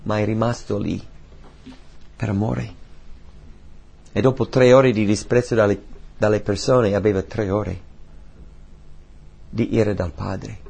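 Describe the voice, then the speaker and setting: A man preaching a sermon, emphatic and repeating key phrases, swinging between soft lines and loud ones. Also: lowish voice, fairly even intonation, a little slow, gravelly, pauses often, husky.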